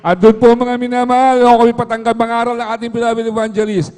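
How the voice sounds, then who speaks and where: A man's voice: very high voice, monotone, fast talker, a little mellow. A man giving an earnest testimony at a worship service, repeating a fond address to the listeners after nearly every phrase. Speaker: church member giving testimony. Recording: long hall reverb.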